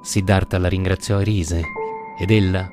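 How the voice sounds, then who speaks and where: A man reading a classic novel aloud in a measured, lyrical audiobook style. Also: low voice, flat delivery. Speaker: narrator and adapter. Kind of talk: audiobook literary narration. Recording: narration over music.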